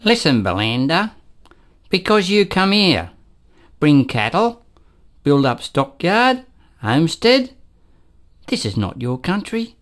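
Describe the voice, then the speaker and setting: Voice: mid-range voice, sing-song, slow, long pauses, a bit bright. An actor playing a defiant Aboriginal elder in a radio play, speaking in an emphatic, declamatory manner. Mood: defiant, proud. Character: defiant Aboriginal elder addressing a white settler. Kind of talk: dramatic radio play monologue.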